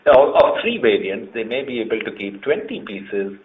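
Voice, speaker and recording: A man's voice: on the low side, sing-song, moderate pace. An Indian man speaking as a company chief executive on an earnings call, explaining emphatically and setting out his points one by one. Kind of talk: earnings conference call answers. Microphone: conference call line. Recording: muffled, band-limited conference call audio.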